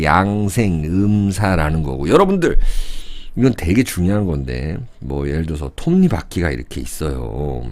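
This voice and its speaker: A middle-aged man with a very low voice explains things in a relaxed lecture, his pitch swinging widely as he goes. He thinks aloud, sketches while he talks and keeps tossing rhetorical questions at the listener. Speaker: saju fortune-telling lecturer. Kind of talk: casual lecture.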